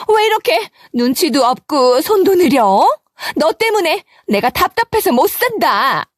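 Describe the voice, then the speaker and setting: A woman putting on a shrill scolding older mother-in-law. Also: dry recording, clean studio sound.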